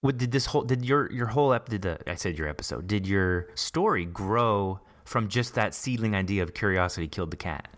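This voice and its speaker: Deep-voiced male podcast host. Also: lively intonation, fairly quick, hardly any pauses, fairly bright tone. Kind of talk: conversational interview.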